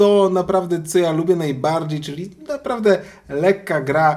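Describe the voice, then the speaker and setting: This man's voice sits high. The pitch moves in a normal way. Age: 30s. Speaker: board game podcaster. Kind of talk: casual chat.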